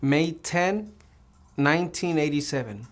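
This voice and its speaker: A man's voice: on the high side, lively intonation, measured pace. A man playing a citizenship applicant in a mock interview, giving short, plain answers with small hesitations.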